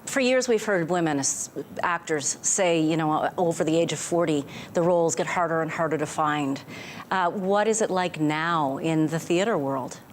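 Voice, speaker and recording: Low-voiced mature woman, TV news interviewer. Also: normal speed, slight background noise. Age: over 50.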